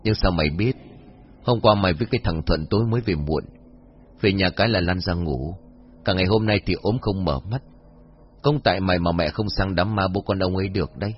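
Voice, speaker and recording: A man's voice: low voice, a little fast, slight background noise, lightly acted. A man voicing a fussy, practical older village mother who scolds her son. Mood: scolding. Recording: dull lo-fi audio with faint music.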